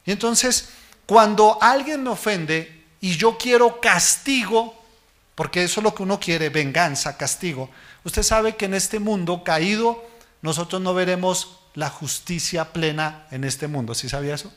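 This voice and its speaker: At a measured pace, this man preaches as a pastor, calling the listener "hermano" directly. He answers the questions he poses to the congregation, and his phrases trail off low and soft.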